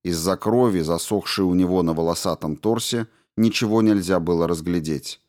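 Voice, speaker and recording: Low-voiced male audiobook narrator. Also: normal speed, darkish tone. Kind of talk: scripted narration.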